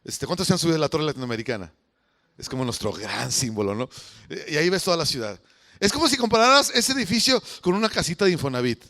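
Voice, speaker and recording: A man's voice: a little high, very animated, fast talker, sharp tone. A man preaching a conversational sermon as pastor, often putting questions to the congregation. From Mexico.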